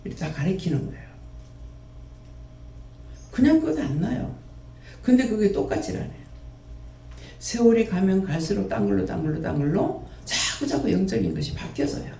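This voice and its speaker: A man's voice: sits high, huge pitch swings, normal speed, long pauses, dark tone, slight background noise. A man who runs a prayer house, preaching a sermon and scolding his listeners with one rhetorical question after another. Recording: roomy echo, mic at a distance.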